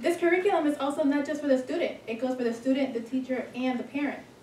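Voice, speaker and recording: Speaking at a very fast pace, a woman with an American accent shows ordinary pitch variation. There is audible room echo and light background noise. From Broward County, Florida. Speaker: self-advocate with spina bifida. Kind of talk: prepared policy presentation. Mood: earnest, personal. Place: hall.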